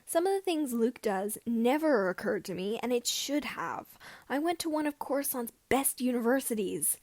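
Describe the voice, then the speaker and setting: A dutiful head engineer, read by a woman reports frankly to a lord in formal, deferential words. The voice is fairly high and recorded dry, in the manner of a sci-fi audiobook. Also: lively intonation, moderate pace, darkish tone, dry recording. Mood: resigned, frank.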